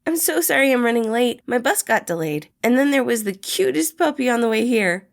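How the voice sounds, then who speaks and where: A woman voicing a soft, sweet, bubbly young man in a storybook reading, chirpy and cheerful. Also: a little high, animated, brisk, creaky, pitched above the performer's own voice. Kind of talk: acted storybook dialogue in fan fiction reading.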